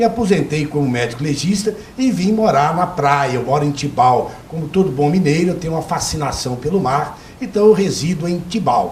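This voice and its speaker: Noticeable background noise and audible room echo surround this recording. A man with a fairly high pitch for a man speaks at a moderate pace with lively intonation. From Brazil, Minas Gerais (Belo Horizonte). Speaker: retired doctor and lawyer. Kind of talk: TV interview.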